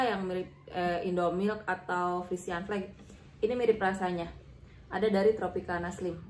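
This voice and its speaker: Young female vlogger, mid pitch, chatty and unhurried, echoey indoor room, table-distance camera. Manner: chatty, unhurried, with frequent fillers and self-corrections. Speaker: vlogger reviewing diet products. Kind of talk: casual product review. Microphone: fixed camera at table distance. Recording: echoey room, faint noise.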